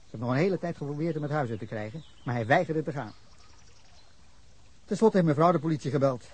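A man's voice: on the high side, fast talker, darkish tone, slightly rough. An actor playing a defensive middle-aged man giving police an angry, rambling account of a drunken fight, in a radio drama. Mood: indignant. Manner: indignant, rambling account with bursts of anger. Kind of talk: Dutch radio drama acting.

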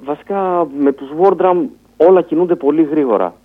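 A man, a band musician talking about his band in a radio interview, telling it in a relaxed way. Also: a little high. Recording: tinny phone-like radio sound.

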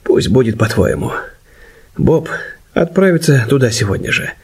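An actor playing a stern, authoritative older jeweller and father, grave and deliberate, in a radio play. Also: medium pitch, sing-song, creaky, breathy edge, full character voice. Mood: resigned. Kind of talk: Russian radio play character acting. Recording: loud music under the voice.

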